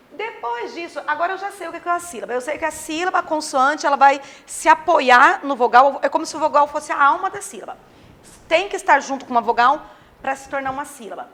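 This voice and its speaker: A woman's voice: high-pitched, a bit bright, slight background noise. A woman teaching a grammar lesson to children, acting out her pupils' questions herself. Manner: plays imagined pupils' questions.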